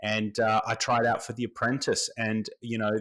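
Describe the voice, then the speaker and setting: Speech comes at a moderate pace in an Australian accent. The recording is very clean and the background silent. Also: man. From Australia (outback). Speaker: entrepreneur and investor. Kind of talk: podcast interview.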